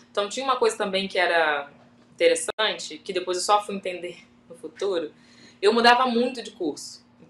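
At a fairly quick pace, a woman talks at a medium pitch with ordinary pitch variation and big swings in loudness, and audible room echo surrounds her. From Rio de Janeiro, northern suburbs (Brás de Pina); Rio de Janeiro. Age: 30s. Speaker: actress, dancer and activist; actress. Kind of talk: interview. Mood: reflective, calm. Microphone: video call.

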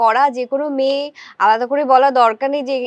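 A woman speaks with a high pitch. The sound is dry, with no echo. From Chakdaha, Nadia district, West Bengal; West Bengal. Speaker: television actress. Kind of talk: casual interview. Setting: outdoors on a terrace. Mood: calm, reflective. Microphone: lapel.

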